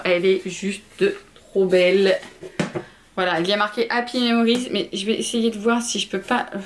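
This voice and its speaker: A young woman chats casually at home, hesitant and full of fillers. Her pitch sits in a middle range. Faint background noise runs under the voice. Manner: chatty, hesitant, many fillers. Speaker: vlogger. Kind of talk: casual haul video chat.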